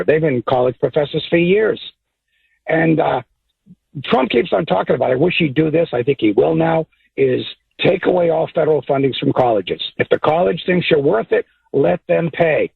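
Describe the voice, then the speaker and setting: A man calling in to a talk radio show, raspy-voiced and opinionated, halting with fillers over a distorted phone line. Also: on the high side, animated, no room sound. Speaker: caller.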